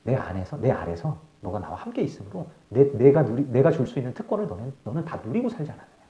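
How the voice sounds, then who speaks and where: A man acting a loving old father who speaks softly, almost in a whisper, recorded live in an echoey church. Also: mid-range voice, sing-song, fast talker, dull audio, pitched below the performer's own voice, natural voice. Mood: gentle, pleading. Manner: soft, hushed, near whispering. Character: tender old father, weeping with love.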